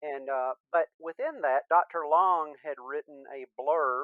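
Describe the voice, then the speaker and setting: A man talks in a Southern US accent. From US South, Georgia. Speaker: author and educator. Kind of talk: interview. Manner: halting, repeats words.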